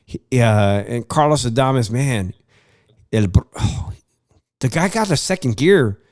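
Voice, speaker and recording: A man's voice: medium pitch, animated, a little slow, darkish tone, no room sound, studio quality. A congested man hosting a sports podcast, chatting casually about baseball and boxing, rambling with many uhs and restarts.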